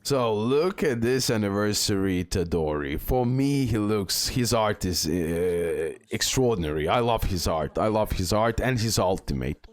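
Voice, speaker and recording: A man's voice: lowish voice, lively intonation, a little slow, few pauses, no echo, faint music behind. A man talks through a mobile game's new characters in loose, rambling commentary. He repeats himself often and fills gaps with "uh". The recording is close and completely dry. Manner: rambling, repeats words, many fillers. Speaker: gaming video host. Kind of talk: casual game commentary.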